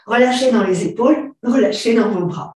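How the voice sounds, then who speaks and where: A woman teaching a yoga and stretching class, giving slow, calm instructions and often clearing her throat. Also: on the high side. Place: large room during an online class. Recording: very echoey room, far from the mic.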